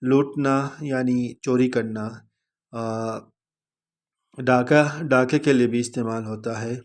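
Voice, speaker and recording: A male teacher calmly explaining word meanings in a vocabulary lesson, pausing often with "uh". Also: mid-range voice. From Pakistan. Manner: measured, deliberate delivery with frequent "uh" pauses.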